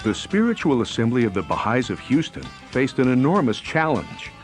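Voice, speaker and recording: A man's voice: mid-range voice, very animated, moderate pace. A man reading scripted narration for a newsreel as its narrator. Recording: music bed under narration. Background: faint music.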